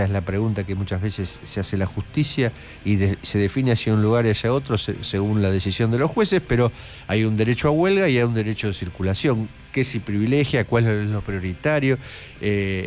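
A middle-aged man with an Argentine accent giving indignant, opinionated political commentary as a radio host at a studio microphone. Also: fairly low pitch. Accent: Argentine Spanish.

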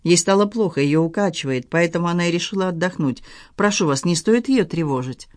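A reader voicing a young man who owns a yacht, speaking calmly and reassuringly in an audiobook. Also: medium pitch, brisk, no echo, clean studio sound, close to an everyday voice. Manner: calm, reassuring, politely firm. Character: young charming male yacht owner, calm and smooth-talking. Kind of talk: audiobook dialogue reading.

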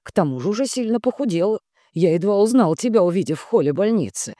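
A woman voicing a smug, hypocritical husband who talks in a smooth, placating, condescending way. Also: mid-range voice, animated, fast, dark tone, no echo, clean studio sound, pitched above the performer's own voice, natural voice.

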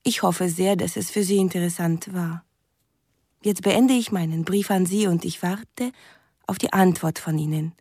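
A woman's voice: lowish voice, normal speed, mellow, breathy edge, dry recording, clean studio sound. An actress playing a cheerful young Russian woman reading her romantic letters aloud in stilted, ungrammatical sentences in a radio drama. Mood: eager, earnest.

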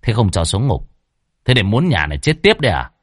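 A man's voice: fairly low pitch, huge pitch swings, a little fast, no room sound, clean studio sound. Man as a stern young exorcist. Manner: stern, scolding.

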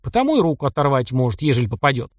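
A man reading the lines of a cocky, sharp-tongued young male taiga hunter in an audiobook. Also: mid-range voice, sing-song, rapid-fire, no room sound, clean studio sound, natural voice. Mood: explaining. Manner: cocky, sarcastic retorts.

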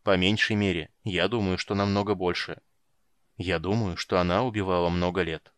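A man doing a low, sardonic monster hunter. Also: steady tone, normal speed, a bit bright, clean tone, no echo. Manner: low, dry, mocking. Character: sardonic grim adult male monster hunter.

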